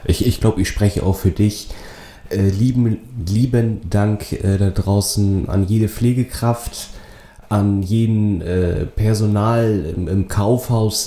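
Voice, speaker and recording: Brief: hesitant, filler-heavy co-host, low mellow voice, echoey room sound. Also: male voice. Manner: hesitant, many fillers and restarts, reads quiz questions aloud. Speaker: podcast co-host. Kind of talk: casual podcast chat.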